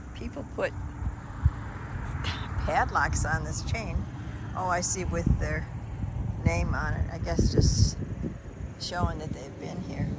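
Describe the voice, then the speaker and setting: Loud background noise surrounds a man who speaks at a very slow pace with long, frequent pauses. The sound is dry with no echo. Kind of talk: casual vlog chat. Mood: awed, amused. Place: open country. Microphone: phone near.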